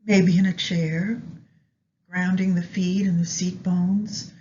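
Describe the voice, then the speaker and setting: A woman narrating a guided meditation in a gentle, soothing, unhurried manner with long pauses. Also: fairly low pitch, little pitch movement. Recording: dull lo-fi audio with background noise.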